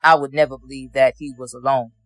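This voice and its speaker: A man's voice: mid-range voice, flat delivery, fast talker, a bit bright, no room sound, studio quality, soft background music. A man giving courtroom testimony as a witness, answering in a plain, matter-of-fact way.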